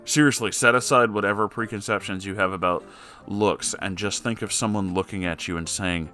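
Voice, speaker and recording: Male host, low voice, story narration with casual wry commentary, faint music bed underneath. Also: fairly even intonation, a little fast, sharp tone. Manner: conversational, wry, reacting to the story. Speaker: host reading a submitted story. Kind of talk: story reading with casual asides.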